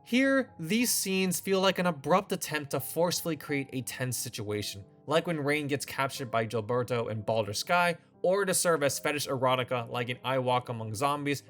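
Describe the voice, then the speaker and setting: Man, video essay host, scripted commentary, opinionated, wry, soft music behind. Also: medium pitch.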